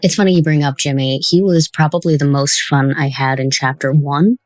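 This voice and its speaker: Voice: medium pitch, fairly even intonation, moderate pace, dry recording. A podcast host in a casual interview and commentary, talking in a thoughtful, encouraging way as the show's creator.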